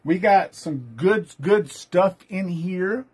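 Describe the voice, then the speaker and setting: A man's voice: sits high, slow pace, darkish tone, slightly rough. A man hosting a casual live-stream jewelry sale, chatty and upbeat, greeting viewers by name as he shows each piece.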